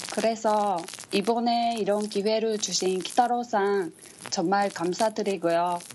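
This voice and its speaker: A woman with a Japanese accent speaks at a very slow pace with a medium pitch and ordinary pitch variation. Noticeable background noise is present. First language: Japanese (speaking Korean). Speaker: Korean language learner. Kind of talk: casual chat.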